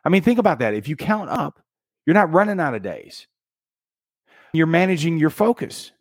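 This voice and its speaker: A man giving casual, energetic motivational commentary on a book, punching out single words and counting beats for effect, with slang like "dude". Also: a little high, moderate pace, husky, dry recording, studio quality. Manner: energetic and emphatic, with dramatic counting and punchy one-word beats. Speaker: book summary host.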